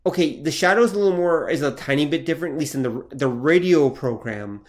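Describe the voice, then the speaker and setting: A man's voice: fairly high pitch, brisk. A man co-hosting a podcast, explaining at length in a casual, thoughtful way with plenty of fillers. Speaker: podcast co-host. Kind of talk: casual chat about comic history.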